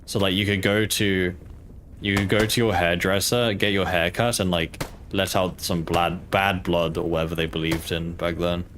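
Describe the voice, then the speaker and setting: A deep, fairly bright voice with a steady tone belongs to a young man from Poland with a British accent. At normal speed, he chats hesitantly while streaming a game, rambling and leaning on lots of fillers. Slight background noise can be heard.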